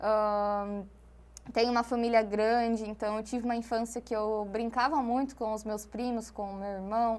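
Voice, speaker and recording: A fairly high-pitched woman at a moderate pace, on a very clean recording with a silent background. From Brazil, interior of São Paulo state. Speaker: clown, theatre performer. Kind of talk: interview.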